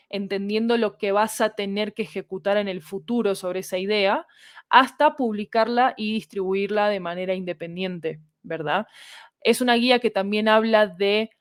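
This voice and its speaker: A woman with a Latin American Spanish accent talks as an interviewed producer. Her voice sits at a medium pitch in a dry recording. She explains in an animated way and keeps checking that she is being followed. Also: clear, resonant tone, no room sound. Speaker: podcast fiction producer, interviewed guest.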